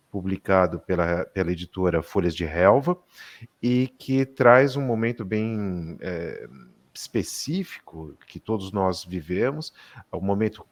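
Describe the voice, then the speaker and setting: A low-pitched man presents his book over a video call. He explains thoughtfully and sometimes pauses to search for the right words. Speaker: author on a panel.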